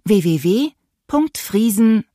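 A woman voicing a relentlessly friendly female automated phone voice, polite, measured and unflappable. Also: mid-range voice, very animated, warm tone, dry recording, studio quality, voice pushed up. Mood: politely robotic.

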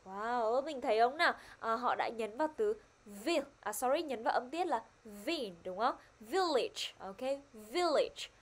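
A woman's voice: on the high side, lively intonation, moderate pace, hardly any pauses. A woman teaching a primary-school English lesson online, upbeat and coaxing. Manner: upbeat, coaxing, switches between two languages.

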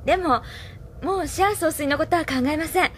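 Brief: a sincere, respectful young staffer, bright high voice. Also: female voice, a little fast, a little hiss or hum. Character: polite young female staffer, devoted and caring. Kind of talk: radio drama acting.

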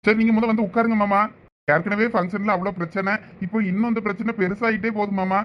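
A man's voice: high-pitched, fairly even intonation, quick pace, muffled recording, slight background noise, close to an everyday voice. A man playing a worried young adult son who pleads with his uncle, with a Thoothukudi Tamil accent. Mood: pleading. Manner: pleading, urgent.

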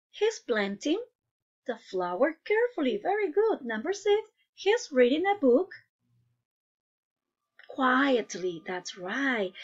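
A woman's voice: a little high, highs cut off. A woman teaching English to young children in a patient way, asking questions and praising each answer. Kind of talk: online class lesson.

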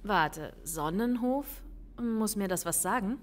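A woman acts out a police lieutenant in a crime audio drama. She is informal and reassuring with her colleagues, in an everyday voice of medium pitch. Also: expressive, slow pace. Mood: conversational.

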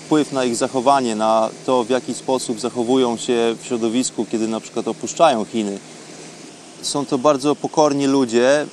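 Man's halting spoken diary, faint background noise. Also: medium pitch, a little mellow. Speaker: radio programme host. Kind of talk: unscripted spoken travel diary monologue.

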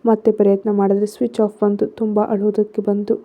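A woman's voice: mid-range voice, level tone, brisk. A woman narrating a story in the first person, reading steadily. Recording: phone-like narrow sound.

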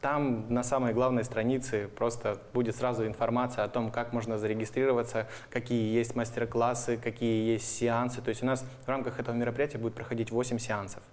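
A man in his thirties being interviewed as a guest, explaining things in a halting way with hesitant pauses. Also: medium pitch, level tone, darkish tone. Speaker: guest, animation studio representative. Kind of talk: studio interview, explaining plans. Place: indoor TV studio. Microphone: lapel mic.

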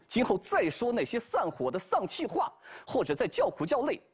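A cocky, quick-tempered monkey king, as a man puts him on, scolds in a high, husky voice. The pitch leaps and swoops as he boasts, like a storybook hero. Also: wildly swooping pitch, exaggerated voice. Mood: scolding.

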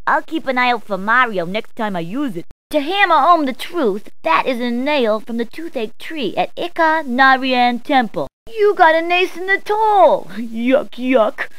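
A cheerful adult policewoman from a game, trading one pun after another. Her voice sits high and perky, and the studio recording is dry and close with no room sound. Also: fairly bright tone, no echo. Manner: upbeat, punning, chatty. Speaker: voice actor. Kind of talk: game voice clips.

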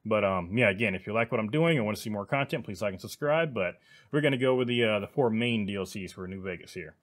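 A man's voice: fairly low pitch, lively intonation, quick pace. A man hosting his gaming channel, chatting casually with many fillers and restarts. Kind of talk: casual video commentary.

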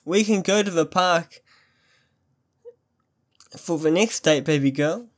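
A man playing an affectionate, playful young boyfriend on a date in an ASMR-style audio roleplay, doting and easily excited. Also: fairly high pitch, slow pace. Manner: doting, pet names, mock sports commentary.

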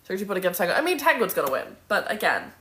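A woman's voice: mid-range voice, very animated, rapid-fire, a bit bright. A woman in her twenties chatting casually on a livestream, answering comments in an emphatic, sweary, opinionated way. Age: 20s. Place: indoor room at home with bookshelf. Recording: roomy echo from phone mic.

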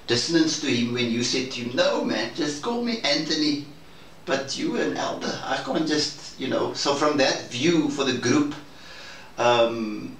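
A man speaking in a measured, hesitant and formal way in a reflective debrief conversation. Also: medium pitch, animated, a bit bright. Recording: roomy, distant mic, faint noise.

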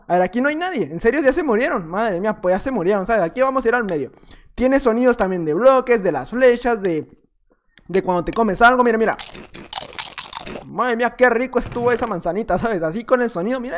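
A man narrates his own gaming session in a loose, chatty way. He jokes around, trails off now and then and taunts his rivals. His tone stays relaxed and unscripted. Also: high-pitched, slight background noise. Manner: playful, rambling, teasing opponents. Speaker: gaming video creator. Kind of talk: casual gameplay commentary.

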